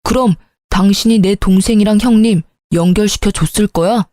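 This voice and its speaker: A woman's voice: medium pitch, moderate pace, dark tone, no echo, clean studio sound, lightly acted. A woman voicing a clueless, whining young husband in a story radio drama. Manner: pleading, whining.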